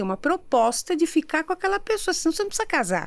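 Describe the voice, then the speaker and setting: A woman speaks at a very fast pace with very wide pitch swings. The recording is very clean and the background silent. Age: 60s. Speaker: psychologist. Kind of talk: interview conversation.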